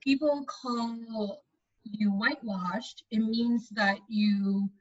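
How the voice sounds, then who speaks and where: Chatty young American woman, husky tone. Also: fairly high pitch, fairly even intonation, extremely slow, dry recording, highs cut off. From Silver Spring, Maryland, US. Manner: chatty, laughs often, fillers like "um" and "like". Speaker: guest. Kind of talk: casual conversational interview.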